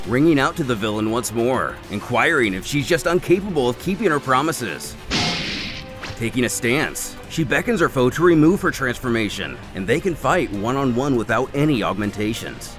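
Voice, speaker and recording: A man gives dramatic scripted narration of an action story. His voice sits at a middle pitch with very lively, theatrical intonation, and music plays clearly behind it. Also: normal speed. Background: dramatic background music.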